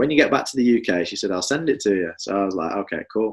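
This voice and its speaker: In a Mancunian accent, a man speaks very fast with lively intonation. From Manchester, northern England. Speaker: addiction recovery author and podcaster. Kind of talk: interview testimony.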